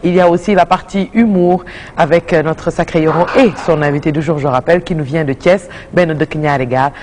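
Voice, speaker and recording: A man's voice: a little high, brisk, a little mellow, a little hiss or hum. A male morning TV show host from Senegal, joking and teasing his guests. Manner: jokey and teasing. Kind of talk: playful host banter.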